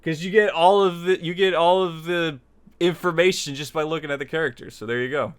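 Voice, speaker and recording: A man's voice: fairly high pitch, steady tone, brisk, smooth. A man hosting a tutorial, explaining his opinions in a conversational, rambling way and repeating himself for emphasis. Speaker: tutorial series host. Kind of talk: informal spoken lesson, opinionated explanation.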